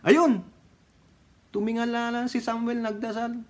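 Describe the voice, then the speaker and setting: A man giving scornful political commentary and retelling Bible stories, chuckling and swinging between low mutters and loud bursts. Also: little pitch movement, a little slow. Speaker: political vlogger. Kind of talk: opinionated commentary mixed with Bible storytelling.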